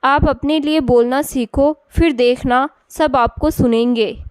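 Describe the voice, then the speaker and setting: Lively, persuasive young girl voiced by a woman, bright high tone, clean, slow storybook reading. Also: clear, resonant tone, no room sound. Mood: urging. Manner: coaxing, persuasive. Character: spirited young unmarried cousin, encouraging.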